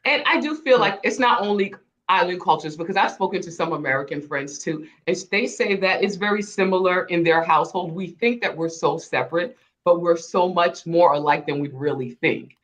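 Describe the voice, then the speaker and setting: A woman's voice: fairly low pitch, brisk, a bit bright. A woman, a guest talking earnestly in a casual panel discussion and laughing often. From Haiti.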